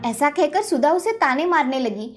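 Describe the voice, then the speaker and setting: Give me a woman narrating an animated storybook in an even, clear voice. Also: high-pitched, measured pace, soft background music.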